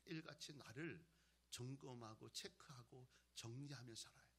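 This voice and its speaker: A male pastor preaching a sermon, moving between loud exhortation and quiet, conversational storytelling. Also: mid-range voice, normal speed, slightly rough.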